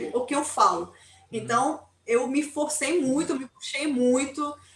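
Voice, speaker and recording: The speech moves fairly slowly, its pitch varying in an ordinary way, while noticeable background noise sits underneath. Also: woman. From Peru. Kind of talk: interview answer.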